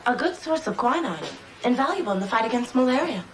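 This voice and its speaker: A woman's voice: on the high side, animated, fast, natural voice, rough recording. A woman playing a literal-minded android police partner, precise and matter-of-fact, in a TV sci-fi crime drama.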